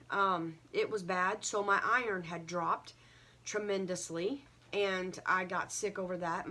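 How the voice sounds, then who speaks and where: A woman giving a casual, earnest update to viewers, halting and a little short of breath as she recovers from illness. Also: medium pitch, fairly bright tone. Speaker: craft vlogger.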